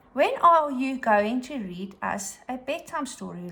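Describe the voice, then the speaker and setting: Using a put-on character voice, a woman speaks in a squeaky, high pitch at a fairly slow pace, with lively intonation and big swings in loudness. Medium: read story.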